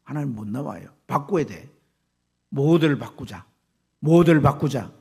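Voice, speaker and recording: A man, a pastor, preaching a sermon with fervor, swinging from loud exclamations to hushed whispers. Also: medium pitch, animated, normal speed, creaky, husky.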